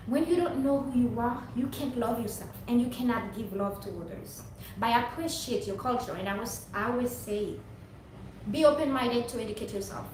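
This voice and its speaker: A young woman from Haiti speaks to her viewers in a rambling, earnest monologue with a preachy streak. Her voice sits a bit high. She is recorded from some distance in a very echoey room with faint background noise. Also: moderate pace, darkish tone. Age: young adult. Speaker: vlogger.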